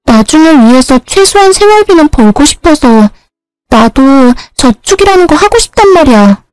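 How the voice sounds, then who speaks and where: An earnest young little sister defends herself in a high, eager voice, as a woman narrator plays her. The sound is dry and close, with faint music behind. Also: sing-song, moderate pace, a little mellow, no echo, poor audio.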